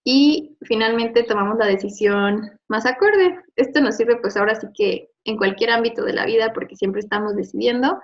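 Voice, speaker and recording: Patient woman teacher, lo-fi. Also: a little high. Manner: patient, explains with examples and checks with "¿no?". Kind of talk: remote review lesson. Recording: dull lo-fi audio.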